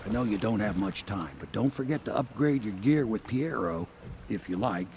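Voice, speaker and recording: An actor playing a gruff, practical old boatman in a video game, who talks in a folksy way. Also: on the low side, expressive, moderate pace, a little mellow, slight background noise. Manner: folksy, gravelly.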